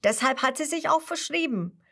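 A woman's voice: high voice, normal speed, pitched above the performer's own voice. Kasper, a woman doing an eager young puppet boy. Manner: eager, excited questions. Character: cheerful young male puppet hero, lively and curious. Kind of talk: storytelling for small children.

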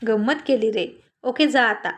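A woman's voice: fairly high pitch, steady tone, unhurried, a bit bright. A woman reading the lines of a friendly male college teacher who teases his student. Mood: kindly. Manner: friendly, teasing.

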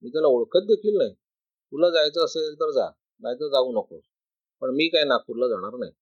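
A man's voice: mid-range voice, expressive, a little fast, close to an everyday voice. A man voicing a vain, blunt young woman who talks with scorn and boasts. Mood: bargaining. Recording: dry, slightly dull recording.

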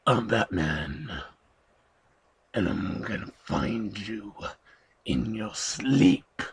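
A man's voice: on the low side, expressive, drawn-out words, vocal fry, slightly rough, full character voice. A man voicing an edgy masked vigilante in a brooding, threatening manner. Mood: menacing.

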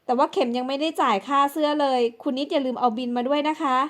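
A woman performs a scheming, spoiled older sister in an audiobook drama. The voice sits high, and she talks in a coaxing yet bossy way, always pushing blame onto others. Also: steady tone, fast talker, lightly acted. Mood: sweet, coy. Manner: bossy and pushy.

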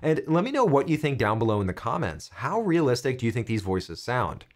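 A man in his thirties presenting a software tutorial, explaining things clearly step by step. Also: medium pitch, big pitch swings, a little fast.

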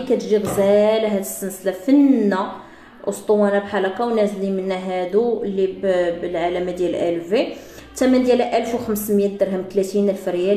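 A woman with a Moroccan Arabic accent, chatting through a live sales pitch for jewelry to her female viewers. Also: warm tone, roomy sound, slight background noise. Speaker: jewelry seller.

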